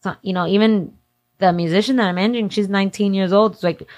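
A woman's voice: mid-range voice, fairly even intonation, fast talker, darkish tone. A twenty-nine-year-old woman speaking as an interview guest in casual, candid conversation, with slangy, informal phrasing full of "like". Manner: informal slang-filled talk, heavy use of "like". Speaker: interview guest working in music industry event production.

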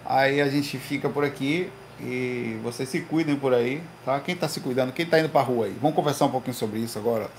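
Gravelly man chatting on a livestream. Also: medium pitch, brisk, few pauses, slight background noise. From Recife, Brazil. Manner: slangy, animated storytelling with lots of "velho" and "cara". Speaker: livestream host. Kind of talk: casual livestream chat with viewers. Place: home room.

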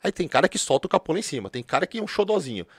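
A man's voice: fairly high pitch, very animated, very fast, breathy edge, no room sound. A man, a former police officer telling stories in a slangy, casual conversation. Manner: storytelling, slangy, repeats filler words.

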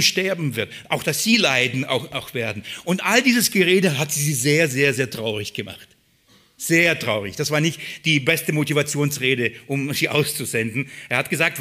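A man preaching a sermon, reading scripture and explaining it, moving between hushed, quiet passages and emphatic, raised ones. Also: a little high.

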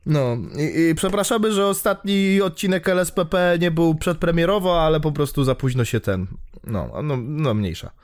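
A man's voice: a little high, expressive, moderate pace. A man co-hosting a casual podcast chat, often laughing, swearing and repeating himself. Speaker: podcast co-host.

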